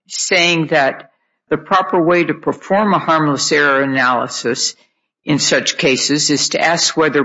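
A man, an appellate judge, questioning counsel in a halting, deliberate way. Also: fairly high pitch, bright, forceful tone. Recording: dull lo-fi courtroom audio.

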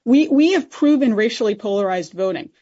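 A woman's voice: fairly high pitch, expressive, brisk, warm tone, breathy edge, muffled recording. A woman lawyer making a formal, technical oral argument to judges in an assertive way. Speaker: appellate lawyer.

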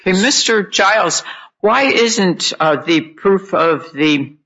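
A man questions counsel from the bench as a judge, halting and deliberate. His voice is fairly high and sharply bright. The sound is dull and lo-fi. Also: lively intonation. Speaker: appellate judge. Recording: dull lo-fi courtroom audio.

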